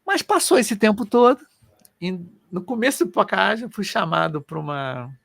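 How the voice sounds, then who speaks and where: Middle-aged guy, gravelly voice, kinda high, telling his story all animated and loose. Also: normal speed, no room sound. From Brazil. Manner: animated, colloquial, emotional storyteller. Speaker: co-host. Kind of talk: personal storytelling in casual chat.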